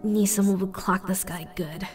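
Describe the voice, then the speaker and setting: A woman's voice: medium pitch, steady tone, normal speed, faint music behind, natural voice. A woman voicing a defiant young boy held captive in an audio drama, sullen in manner. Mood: bitter inner thought.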